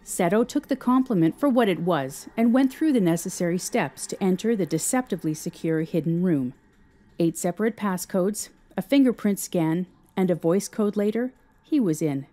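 A woman's voice: fairly low pitch, animated, moderate pace, dark tone. A woman narrating a scripted story as the narrator of an audio drama.

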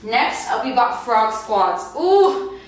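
Young female fitness instructor, bright casual delivery explaining moves, distant mic with heavy room echo. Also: fairly high pitch, measured pace. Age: young adult. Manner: informal, explanatory. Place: bare white indoor room. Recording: echoey room, distant mic, faint noise.

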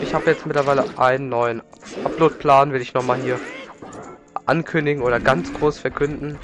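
Male let's player, mid-pitched, slightly stuffed up from a cold, informal rambling commentary over game music. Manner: informal, rambling, repeats words. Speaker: let's play host. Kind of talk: casual video game commentary. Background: video game music.

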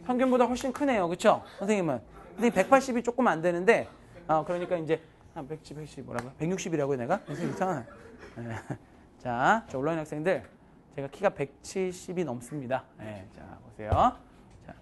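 A man's voice: high voice, a little hiss or hum. A man in his thirties teaching math to a live class, joking with students and mixing casual and polite speech.

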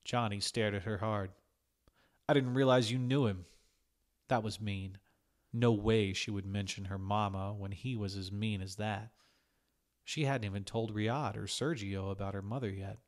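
A man reads fiction aloud as an audiobook narrator. His voice sits fairly low, and he delivers scripted narration. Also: steady tone, moderate pace. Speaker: audiobook reader. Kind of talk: scripted short story narration.

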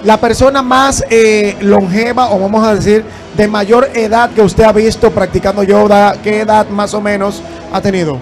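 A man in his thirties hosting a TV interview at a trade fair, upbeat and quick with his questions on a handheld mic. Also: high-pitched, little pitch movement, soft background music. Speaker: TV show host. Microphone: handheld microphone.

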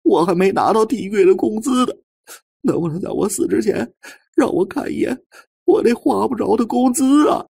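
A man's voice: high voice, lively intonation, brisk, gravelly, mellow, husky, voice pushed up, heavily acted. A man voicing a timid young rookie in an audiobook, tearful, whining and plaintive. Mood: tearful despair. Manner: sobbing, plaintive.

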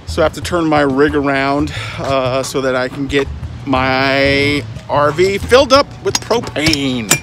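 A man's voice: medium pitch, measured pace, fairly bright tone. A middle-aged man chatting casually as an RV vlogger, upbeat with lots of fillers, filmed on a phone at arm's length. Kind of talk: casual travel vlog with voice-over. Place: inside a car, then outdoors by an RV. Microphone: phone held at arm's length. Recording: music bed playing under the voice. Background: background music.

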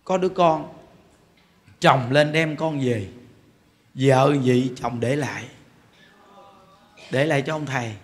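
A man's voice: mid-range voice, slow, long pauses, a little hiss or hum. A man with a Southern Vietnamese accent, a Buddhist monk giving a humorous storytelling sermon. He jokes, chats and repeats words as he builds a point.

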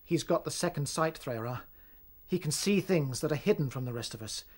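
An actor playing a polite, loyal young rabbit in a radio drama, earnest and protective. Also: male voice, on the high side, lively intonation, a little fast. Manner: courteous, earnest.

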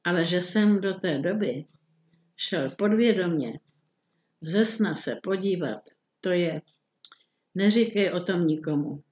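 A woman's voice: lowish voice, pauses often, darkish tone, roomy sound, close to an everyday voice. A woman reading the part of a flustered middle-aged male government minister, muttering and bewildered. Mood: confiding.

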